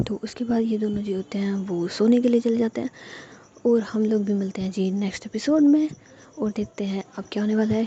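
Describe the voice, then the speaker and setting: A woman's voice: mid-range voice, mellow, lo-fi sound, a little hiss or hum. A young woman telling a romantic story in a casual, chatty way, full of fillers, voicing the characters' pleading lines herself.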